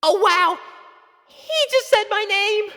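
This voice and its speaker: Squeaky, flustered young girl pony. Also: takes it slowly, sharp tone, big-room sound, full character voice. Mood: nervous, excited. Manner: flustered, stammering, gushing. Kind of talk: storybook character voice in a fan fiction reading.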